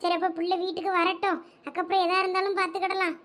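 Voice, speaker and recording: Figure: an actor doing a fretful high-voiced village mother. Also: little pitch movement, fast talker, a bit bright. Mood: relieved. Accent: Thoothukudi Tamil. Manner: worried, lamenting.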